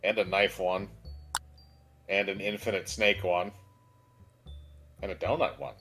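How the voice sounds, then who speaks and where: Lowish-voiced man co-commentating a game. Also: level tone, measured pace, a bit bright. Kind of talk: casual let's play chat. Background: game music.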